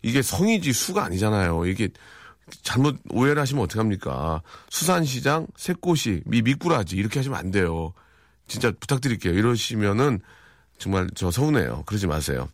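A man's voice: fairly low pitch, big pitch swings, brisk, no room sound. A man hosting a radio show in a studio, chatting playfully and rambling through listener messages with many fillers. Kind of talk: casual radio chat reading listener texts.

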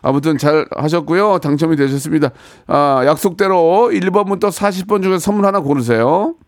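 A man's voice: on the high side, fairly quick, no room sound, clean studio sound. A man hosting a radio call-in quiz, joking with callers and singing bits of songs. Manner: playful, sings snippets and counts in callers. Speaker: radio host. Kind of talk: lively radio quiz chat.

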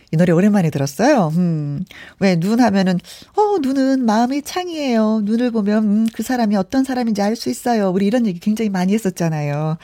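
A woman's voice: mid-range voice, darkish tone. A woman hosting a radio show, talking in a chatty, conversational way and reading out listener messages. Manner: chatty, conversational, often breaks into giggles. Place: radio studio. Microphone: close studio microphone.

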